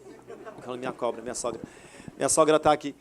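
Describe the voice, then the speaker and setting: A man in his thirties preaching a sermon at a church service, animated, acting out quoted dialogue. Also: mid-range voice, quick pace. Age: 30s. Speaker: pastor. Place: hotel auditorium church service.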